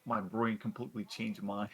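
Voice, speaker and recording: A man's voice: fairly low pitch, pushed and bright, slightly rough. A man chatting casually as a player in an online tabletop game, often stammering and restarting his sentences and laughing at himself. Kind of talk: casual chat between players.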